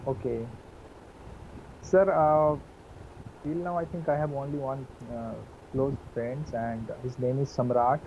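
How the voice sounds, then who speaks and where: A man in his twenties from West Bengal with a Bengali accent, practising English on a video call, polite and hesitant with many pauses. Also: medium pitch, fairly even intonation, highs cut off, slight background noise. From West Bengal, India. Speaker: English learner.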